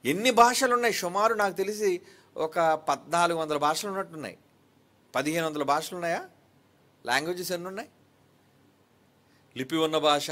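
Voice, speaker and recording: A male pastor delivers a sermon in a fairly high voice. He keeps asking his listeners rhetorical questions. He moves between quick, raised lines and slow, quiet stresses.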